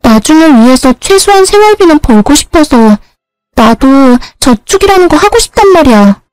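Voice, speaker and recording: A woman's voice: very animated, moderate pace, darkish tone, no echo, faint music behind, poor audio. Woman doing an eager young little sister. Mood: pleading. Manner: high, eager, whiny. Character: young college-age sister, earnest and pleading.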